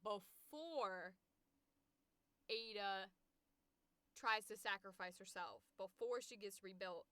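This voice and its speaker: A woman hosting a voice acting livestream, chatting casually with animated, expressive reactions. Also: mid-range voice, slow pace, pauses often, no room sound. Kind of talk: casual collaborative livestream chat.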